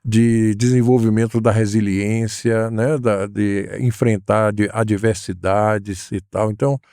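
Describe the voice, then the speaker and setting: A man, a guest recalling his life in a thoughtful, hesitant way with many pauses and fillers. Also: lowish voice, level tone, mellow, smooth, dry recording, studio quality. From Salvador, Bahia, Brazil. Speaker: guest, educator. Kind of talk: relaxed interview conversation.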